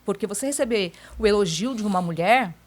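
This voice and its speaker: A woman's voice: mid-range voice, animated, a little fast. A woman giving a casual spoken testimony to a pastor, telling her story and often tagging sentences with "né?". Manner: keeps addressing the listener as pastor. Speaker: church member giving a testimony.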